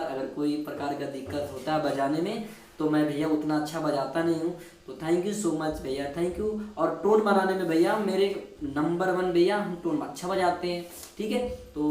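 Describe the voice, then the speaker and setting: A man who plays keyboard, talking casually to viewers between demos and checking in with them again and again. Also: sits high. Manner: chatty, repeatedly checks in with listeners. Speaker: keyboard player and music teacher. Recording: echoey room, distant mic, keyboard music behind. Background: keyboard music.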